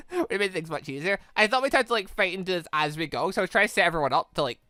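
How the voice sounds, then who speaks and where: Bright, lively gamer thinking aloud. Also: mid-range voice, fast talker, no room sound, studio quality. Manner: muttering game moves, thinking aloud. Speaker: gaming video host. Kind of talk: casual let's play commentary.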